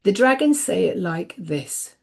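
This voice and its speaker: A woman hosting an oracle card reading, giving spiritual guidance in a soft, unhurried way that dwells on repeated phrases. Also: big pitch swings, vocal fry, slightly rough. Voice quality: deep voice. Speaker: host and oracle card reader.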